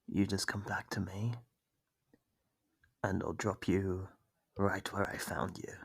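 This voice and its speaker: Male actor as cruel taunting monster, gravelly and husky, deliberate slow pacing, close dry mic, ASMR horror roleplay. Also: flat delivery, no room sound, exaggerated voice. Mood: smug, menacing. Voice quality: gravelly, husky low voice with whispery edges. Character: sadistic monster gleefully toying with captive human prey. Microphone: close, dry microphone.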